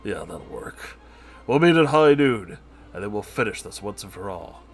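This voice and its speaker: A man's voice: lowish voice, big pitch swings, moderate pace, gravelly, heavily acted. A man voicing a pompous, boastful male neckbeard anime fan who makes grandiose, theatrical declarations in a comedic story reading. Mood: scheming, challenging.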